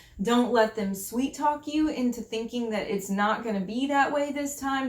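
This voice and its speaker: Speaking at a fairly slow pace, a woman with an American accent sounds animated and high-pitched, with ordinary pitch variation and noticeable background noise. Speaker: tarot reader YouTuber. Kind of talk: tarot reading. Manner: casual, animated.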